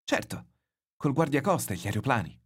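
A man's voice: mid-range voice, sing-song, normal speed, slightly rough, pitched above the performer's own voice. A man voicing a devoted young fisherman's boy in a read-aloud novel, lifting his voice to sound earnest.

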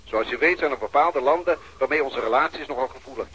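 A pressuring police chief, bright and raspy, radio play. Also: male voice, medium pitch, fast, rough recording. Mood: insistent. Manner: insistent, pressuring. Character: pushy police chief, middle-aged man. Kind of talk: radio drama acting.

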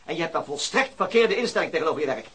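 A man's voice: fairly high pitch, lively intonation, rapid-fire, fairly bright tone, slightly rough, heavily acted. An actor playing a stern, exacting male police detective in a radio play, clipped and sarcastic. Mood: angry, cutting. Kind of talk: radio drama acting.

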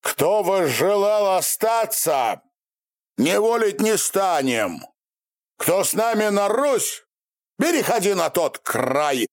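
A stern Cossack chieftain calls out orders loudly and deliberately over a crowd, as a man reads him. His pitch rises with the effort and the delivery is slow. Close, dry sound. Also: sing-song, heavily acted. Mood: commanding. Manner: loud, slow, authoritative commands.

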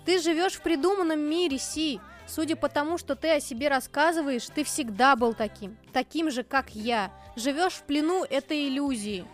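A woman's voice: high voice, normal speed, few pauses, faint music behind, natural voice. Woman voicing Artemis, a firm young gamer. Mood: pleading. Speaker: voice actor in an audiobook. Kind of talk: dramatized audiobook dialogue.

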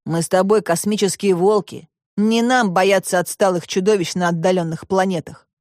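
A woman voicing a boastful, hot-headed young boy who talks brashly and excitably. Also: mid-range voice, moderate pace, no room sound, clean studio sound, close to an everyday voice.

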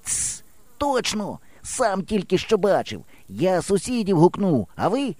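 A man voicing an earnest, excited village boy who talks in urgent, breathless pleas in an audiobook. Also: high voice, unhurried, no room sound, pitched above the performer's own voice, full character voice. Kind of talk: audiobook character voice.

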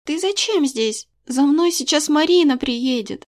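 A woman's voice: high-pitched, lively intonation, measured pace, voice pushed up. A woman voicing an angry, resentful schoolgirl who speaks coldly and accusingly. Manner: sharp, scornful, raised voice.

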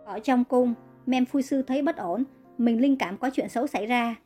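A woman narrating a storybook reading in a steady, plain manner. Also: on the high side, normal speed, slightly rough. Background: faint music.

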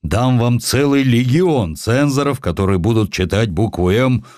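A man voicing a pompous, excitable aristocratic censorship chief in an audiobook, speaking in a grand, condescending and effusive manner. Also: mid-range voice, measured pace, no room sound, studio quality, voice pushed up, close to an everyday voice. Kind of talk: audiobook character acting.

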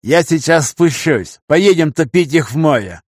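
A man voicing an arrogant, cruel man of about forty in an audiobook, making slow, loud threats. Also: on the high side, expressive, no room sound, clean studio sound, voice pushed up. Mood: commanding. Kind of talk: audiobook character reading.

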